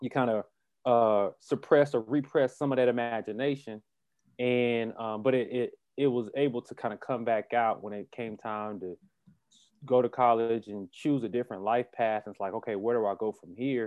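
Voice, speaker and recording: A man with an American accent has an ordinary speaking voice at medium pitch. His pace is moderate and his intonation fairly even, with big swings in loudness. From US South, Durham, North Carolina. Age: 30s. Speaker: financial educator. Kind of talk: casual interview.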